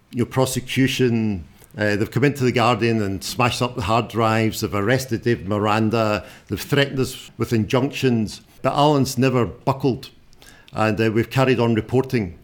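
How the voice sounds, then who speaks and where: A man in his sixties with a strong Scottish accent gives an informal, unscripted talk as a journalist, speaking plainly and haltingly. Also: medium pitch. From Scotland. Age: 60s.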